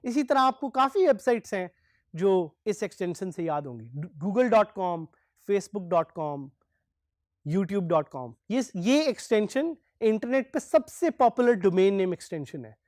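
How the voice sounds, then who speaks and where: A man giving a recorded online lecture, switching between Urdu and English and slowing down to stress key terms. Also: high voice, lively intonation, darkish tone, no echo, studio quality. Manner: mixes English phrases into Urdu explanations. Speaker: course instructor.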